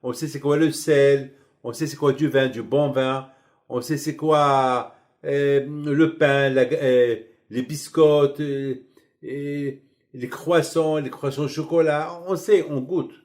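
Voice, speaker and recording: A middle-aged man giving a sermon as a rabbi, telling stories in a lively, colloquial way. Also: medium pitch, slow. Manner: animated, colloquial storytelling.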